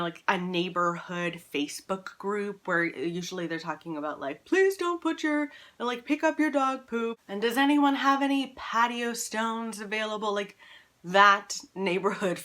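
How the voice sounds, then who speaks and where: A woman speaks in a bright, forward voice that sits a little low. She talks casually to her viewers like a vlogger, earnest and emphatic, often repeating a word to stress it. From Canada. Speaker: book vlogger, channel host. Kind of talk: casual talk to camera.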